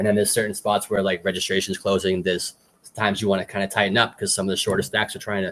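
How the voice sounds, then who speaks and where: A man with an American accent speaks very fast in a fairly low, flat monotone. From Boston, US. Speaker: poker player and coach. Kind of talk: interview.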